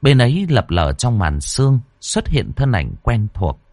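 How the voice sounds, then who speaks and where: A man's voice: mid-range voice, very animated, unhurried, darkish tone, no echo. A man narrating a ghost story in a dramatic, suspenseful way. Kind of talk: audiobook narration.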